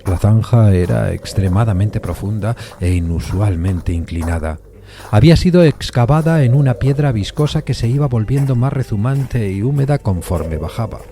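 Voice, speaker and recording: A man with a deep, mellow voice narrates a suspense story. His delivery is measured and literary, a scripted dramatic reading, with light background ambience behind him. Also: expressive, slight background noise. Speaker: narrator of an audio fiction adaptation.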